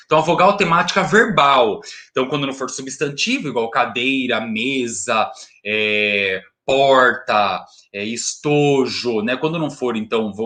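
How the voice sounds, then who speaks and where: A man's voice: medium pitch, bright, forceful tone. A Brazilian man teaching a recorded school grammar lesson. He explains step by step, asks questions and answers them himself, and repeats single words and word parts.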